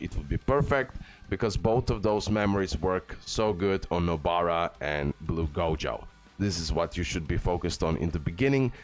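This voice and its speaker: Male gaming video host, low voice, casual and informal guide-style commentary, music underneath. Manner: informal, often says bro and okay.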